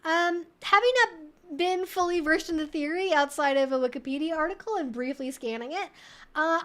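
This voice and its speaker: A woman hosts a casual live Q&A, chatty and rambling as she thinks aloud, reading out viewer messages and answering their questions. Her voice is high and a bit bright.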